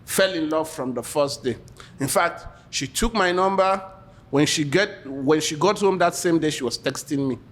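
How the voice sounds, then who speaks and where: A man's voice: fairly high pitch, normal speed. Nigerian man chatting, laughing often. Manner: laughs often, repeats words when starting. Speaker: podcast guest, entrepreneur. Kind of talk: casual chat.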